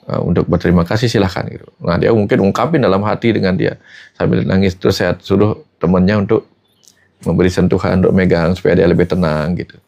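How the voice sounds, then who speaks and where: A man's voice: deep voice, fairly even intonation, a little fast, gravelly, darkish tone. A man in a casual spiritual talk, telling stories and often addressing his host by name. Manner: storytelling, repeats the host's name often; quotes people in the story. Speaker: spiritual teacher.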